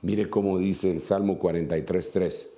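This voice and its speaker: A man's voice: sits low, fairly even intonation, normal speed, dark tone. A man from Guatemala with a Guatemalan Spanish accent, preaching an earnest sermon as an apostle, repeating phrases for emphasis.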